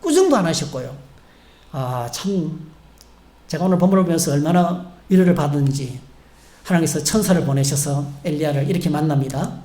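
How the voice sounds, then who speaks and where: A middle-aged man preaching a sermon from the pulpit, with a mellow, soft-edged voice. He tells the story casually, pausing for asides and acting out the lines of the people in it. The sound carries the echo of a church hall. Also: fairly high pitch. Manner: conversational storytelling preaching with fillers and acted-out quotes. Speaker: pastor. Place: church sanctuary.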